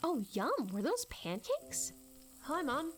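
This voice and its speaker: Glum preteen boy, played by a woman for audiobook drama: light high voice, doubtful, subdued. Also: huge pitch swings, slow, heavily acted. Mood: pleased. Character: glum young boy, about eleven, politely doubtful. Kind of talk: dramatic audiobook character acting.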